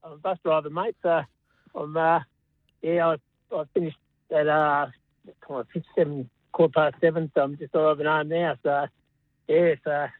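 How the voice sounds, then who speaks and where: A man's voice: fairly high pitch, level tone, normal speed, pauses often, dry recording. A Melbourne Australian man, a radio phone-in caller with a laconic, matey, blokey working-class way of chatting. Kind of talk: casual chat. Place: on a call while driving home. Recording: thin phone line.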